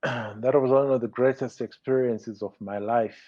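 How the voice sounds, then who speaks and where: Against a quiet background, a man speaks at a fairly slow pace. His tone is dark and mellow, his intonation monotone and flat. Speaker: graphic designer and educator. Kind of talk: interview.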